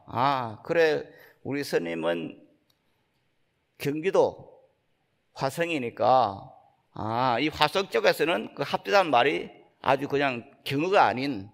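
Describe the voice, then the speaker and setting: Older man, Buddhist monk with a Gyeongsang accent, gravelly voice, unhurried folksy sermon storytelling. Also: a little high, a bit bright. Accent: Gyeongsang Korean. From Gyeongsang province, Korea. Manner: folksy, unhurried storytelling, acting out quoted speech. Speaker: Buddhist monk giving a dharma talk.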